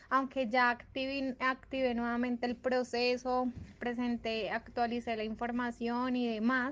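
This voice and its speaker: A woman speaks at a fairly slow pace in a high voice. Her intonation is flat and monotone. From Colombia. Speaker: prospective international student. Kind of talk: recorded testimony.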